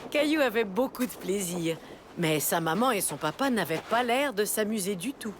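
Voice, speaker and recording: Lively woman narrating a children's story. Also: medium pitch, moderate pace, heavy background noise. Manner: expressive storytelling. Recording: music behind the voice.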